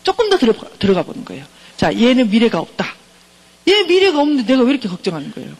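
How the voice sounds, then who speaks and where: Woman, middle-aged, professor, counseling lecture, husky, lively intonation, questions the audience. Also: on the high side, quick pace, poor audio. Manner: engaging, keeps asking the audience questions.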